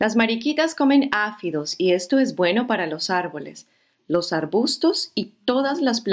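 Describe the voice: Against a quiet background, the plain reading aloud has lively intonation.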